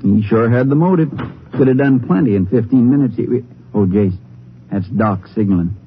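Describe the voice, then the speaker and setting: A mid-pitched male voice on a muffled vintage radio recording with slight noise. A man plays a Texas sheriff in a western drama. He sounds folksy and plain-spoken, with short informal phrasing. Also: expressive, normal speed, close to an everyday voice. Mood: matter-of-fact. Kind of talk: 1950s American radio acting.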